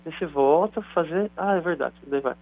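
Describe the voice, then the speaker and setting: A man's voice: on the high side, brisk, vocal fry, a little mellow, rough recording. A man, a doctor, explaining things in a chatty radio interview. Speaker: neurosurgeon guest.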